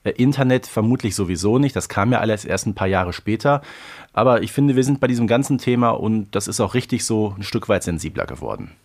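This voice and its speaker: A man's voice: lowish voice, lively intonation, fast, a little mellow. A man in his forties co-hosts a casual podcast. He explains background and guides the conversation along, with the odd "äh" in between. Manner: explanatory, leading the discussion. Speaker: podcast co-host.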